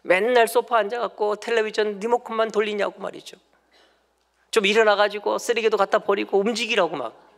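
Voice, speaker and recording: A man preaching a church sermon, acting out family quarrels loudly and then dropping to soft, tender murmurs. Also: high-pitched, fairly even intonation, brisk, vocal fry, big-room sound. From South Korea. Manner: drops to near whisper for tender lines and stories. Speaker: pastor. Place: church sanctuary.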